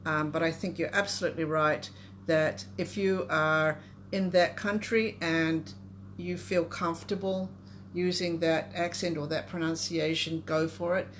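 A woman's voice: sits low, flat delivery, unhurried, a little hiss or hum. A woman hosting a podcast in casual conversation, talking with frequent fillers and restarts. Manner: hesitant, many fillers and restarts. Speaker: podcast host.

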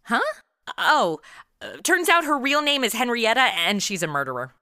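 Brash American twenty-something girl detective voiced by a woman, bright and dry-miked, theatrical, comedic audio drama. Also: on the high side, big pitch swings, normal speed, dry recording. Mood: relaxed, pleased. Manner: sassy, slangy, theatrical.

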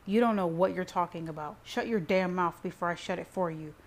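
A woman's voice: lowish voice, brisk, close to an everyday voice. Woman voicing a bitter, hot-tempered young man. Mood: furious. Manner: snarling, curt, defensive. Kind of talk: audiobook character reading.

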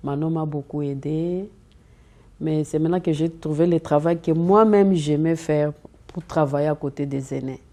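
Brief: woman, deep mellow voice, earnest guest who restarts her words. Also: moderate pace. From Democratic Republic of the Congo. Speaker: interview guest. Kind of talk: conversational interview. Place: community TV studio.

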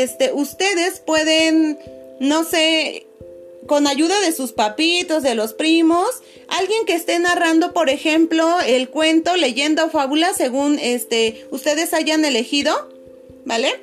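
A woman teacher, talking patiently to her pupils on a video call and filling pauses with "este". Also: high voice. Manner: patient, many fillers, calls pupils "chicos" and "corazones". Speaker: schoolteacher. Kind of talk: online class video call.

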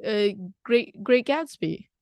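A woman's voice: fairly high pitch, animated, takes it slowly, creaky, no room sound, studio quality. A woman from Singapore in casual conversation, chatty and laughing often, trailing off and restarting her sentences. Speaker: conversation partner. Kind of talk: casual chat.

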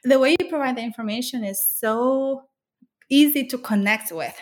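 A woman's voice: sits high, normal speed. A middle-aged woman from the Dominican Republic, talking earnestly in an interview about her work and life, with frequent restarts and fillers. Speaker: author and interviewee. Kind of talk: conversational interview.

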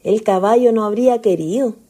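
A woman's voice: medium pitch, brisk, warm tone, breathy edge, close to an everyday voice. A woman with a Chilean accent playing a shy, flustered young country ghost in a radio drama, hesitant and naive.

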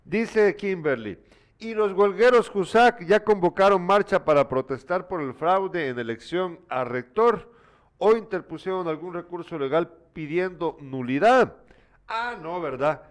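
A man's voice: sits high, lively intonation, measured pace. A man co-hosting a news talk show, reading viewer messages and answering with exasperated, opinionated commentary. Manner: opinionated, exasperated, scolding asides.

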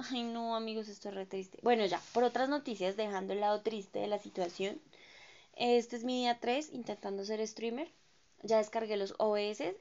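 A woman's voice: medium pitch, gravelly, darkish tone. Chatty Colombian woman, lo-fi sound. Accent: Colombian Spanish. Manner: chatty, emphatic, slangy. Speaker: home-care therapist and aspiring streamer. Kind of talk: casual storytelling vlog.

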